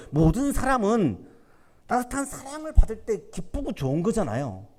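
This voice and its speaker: A male pastor delivers a lively Sunday sermon in a fairly high voice, asking his listeners rhetorical questions and acting out the speakers in the passage. His voice carries a long reverb from the church sanctuary. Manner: animated preaching, acts out quoted voices; asks the congregation rhetorical questions.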